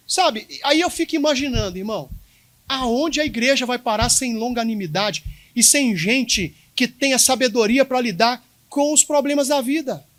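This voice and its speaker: A man's voice: very high-pitched, fairly bright tone. A male pastor with a Minas Gerais accent preaching a sermon, emphatic and repetitive, speaking straight to the congregation. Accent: Minas Gerais Brazilian Portuguese. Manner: emphatic, addresses congregation directly, repeats himself.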